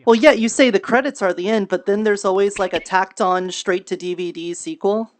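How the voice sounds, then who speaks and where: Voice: mid-range voice, steady tone, fairly quick. Joking, rambling roleplayer in casual chat. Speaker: VRChat roleplayer.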